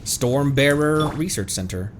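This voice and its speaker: A man's voice: medium pitch, expressive, unhurried, slight background noise. A man streaming a video game, commenting casually and reading in-game text aloud. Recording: music behind the voice. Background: video game music.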